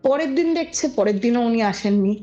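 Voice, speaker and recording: A woman's voice: a little high, animated, brisk, dark tone. A woman telling an eerie story conversationally as a podcast guest, acting out quoted dialogue and checking back with her listener. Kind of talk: conversational storytelling of an eerie real-life incident. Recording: dull lo-fi audio with music behind. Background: music.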